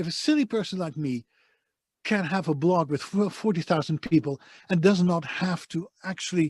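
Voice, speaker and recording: Recorded dry and close with no echo against a quiet background, a man with a Dutch accent speaks at a moderate pace in a high pitch. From Netherlands. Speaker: voice actor and coach. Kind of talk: casual interview chat.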